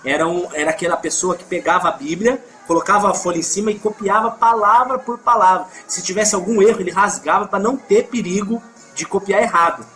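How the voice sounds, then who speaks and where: A man's voice: high voice, a little fast, few pauses, pushed and bright, soft background music. A man with a Brazilian Portuguese accent leading a live Bible study, emphatic, reading scripture aloud and correcting himself as he goes.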